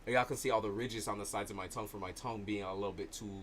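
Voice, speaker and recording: A man's voice: lowish voice, steady tone, rapid-fire, a bit bright, slight background noise. A man with a slight lisp hosting a livestream, chatting loosely and swearing in casual banter. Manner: loose, profane, laughing banter. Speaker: tarot livestream host. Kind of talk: casual chat.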